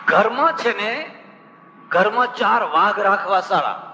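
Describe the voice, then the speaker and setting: A man, a Hindu monk, giving a humorous spiritual discourse on scripture, telling stories, asking the audience rhetorical questions and slowly chanting verses. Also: high voice, animated, background noise. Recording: reverberant hall with faint ambience.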